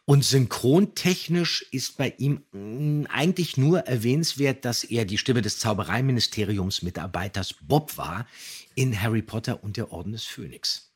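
A man's voice: mid-range voice, expressive, moderate pace, husky. A man co-hosting a podcast, giving detailed, appreciative commentary on radio plays in conversation. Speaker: podcast co-host.

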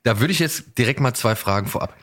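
A man's voice: mid-range voice, lively intonation, fast, fairly bright tone. A man co-hosting a podcast, asking questions in a casual interview chat. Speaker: podcast co-host.

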